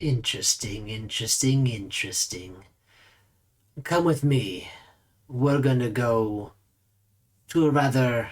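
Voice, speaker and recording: A man puts on a character voice at medium pitch. He moves at a fairly slow pace with long, frequent pauses. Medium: actual play. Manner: teasing, coolly menacing.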